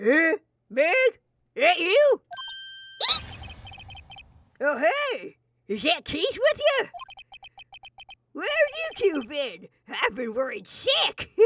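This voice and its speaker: In a put-on character voice with an extremely high pitch, the speaker swings very widely in pitch, moving at a very slow pace with long, frequent pauses. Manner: worried, concerned.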